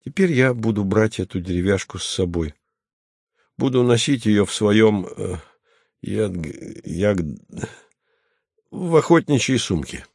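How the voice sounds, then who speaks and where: A man's voice: lowish voice, expressive, slow pace, pauses often, darkish tone, breathy edge, dry recording, clean studio sound, heavily acted. A man reading the part of a famous, playful starship pilot who is teasing and easily offended, in an audiobook. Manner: whimsical, teasing, lightly offended.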